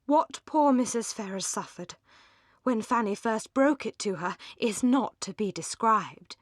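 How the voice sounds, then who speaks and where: Woman doing a stuffy self-satisfied english gentleman, solemn and long-winded, audiobook dialogue, close dry sound. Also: on the high side, lively intonation, unhurried, no echo. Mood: pompous, indignant.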